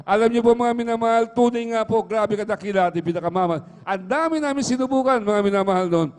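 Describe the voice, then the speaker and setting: A man's voice: high-pitched, fast, darkish tone, clean tone. Earnest man testifying in a reverberant hall. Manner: earnest, repeats "mga minamahal" constantly. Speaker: church member giving testimony. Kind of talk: spoken testimony in worship service. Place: church hall. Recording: livestream with long hall reverb.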